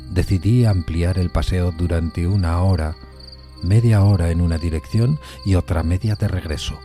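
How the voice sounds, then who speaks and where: A man narrating a literary suspense story in a measured, solemn manner. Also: low-pitched.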